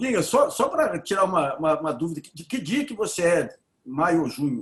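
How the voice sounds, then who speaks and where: At a moderate pace, a high-pitched man speaks with very wide pitch swings and big swings in loudness. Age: 70s. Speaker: journalist, interview host. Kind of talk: interview conversation.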